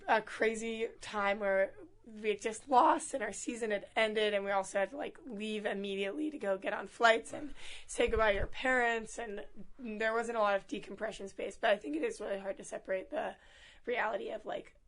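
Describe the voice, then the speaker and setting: A young woman with a hoarse voice talks casually as a student team captain in an interview. She is upbeat and chatty, laughing often and filling pauses with "um" and "like." Her pitch sits in a middle range. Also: fairly even intonation, low-quality recording. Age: young adult.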